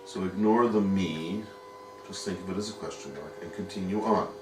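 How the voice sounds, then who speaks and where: A man with a low voice teaches a Talmud lesson, working through the text patiently and posing questions to his students. He sits at a distance from the microphone in a roomy, echoing space with a faint background hiss. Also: normal speed. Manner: patient, explains step by step with rhetorical questions. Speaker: yeshiva teacher. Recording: echoey room, mic at a distance.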